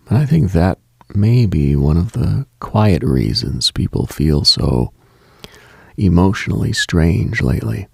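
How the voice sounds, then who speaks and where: A man hosting a late-night radio show, speaking a slow reflective monologue in a hushed, half-whispered delivery. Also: low-pitched, creaky, husky, no echo, studio quality.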